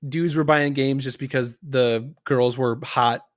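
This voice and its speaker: A man's voice: mid-range voice, steady tone, unhurried, no echo, studio quality. A man speaking casually as a podcast host, chatting and explaining things to the others. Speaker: podcast host moving segments along.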